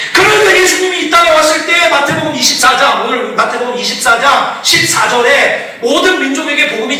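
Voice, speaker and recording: A man preaching as a missionary, lively and laughing, acting out quoted voices. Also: very high voice, noisy background. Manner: animated, acts out quoted voices, laughs often. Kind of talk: sermon lecture. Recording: echoey hall, far from mic.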